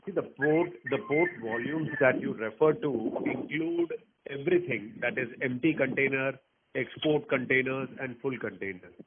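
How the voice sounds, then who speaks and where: A man's voice: mid-range voice, big pitch swings, normal speed. A man, a company executive giving a clarifying explanation on a conference call. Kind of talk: explanatory earnings call answer. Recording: noisy narrowband phone conference line.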